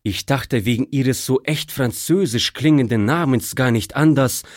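A man's voice: medium pitch, normal speed, no room sound, clean studio sound, close to an everyday voice. A man reading as a polite young prisoner. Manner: polite, apologetic. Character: young German prisoner of war, polite and thoughtful.

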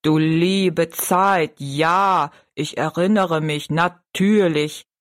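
A woman's voice: low voice, steady tone, no room sound, studio quality. A woman voicing a tall, thin, dignified male circus giant who speaks with courtly politeness. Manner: courtly and slow, bowing politeness.

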